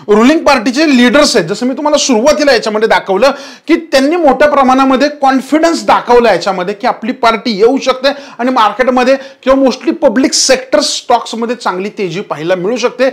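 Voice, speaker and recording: A man in his thirties giving an emphatic stock market lesson, often telling viewers to remember key points, recorded on a lapel mic in a studio. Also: very high-pitched. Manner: emphatic, repeats "remember", gestures while explaining. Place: studio in front of a large presentation screen.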